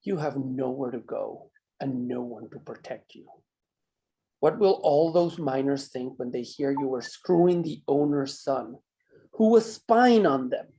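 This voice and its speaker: A man's voice: medium pitch, lively intonation, dark tone, poor audio. Man acting a coolly cruel, controlling boss. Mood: menacing. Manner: measured, condescending threats. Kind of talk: dramatic table read of a screenplay.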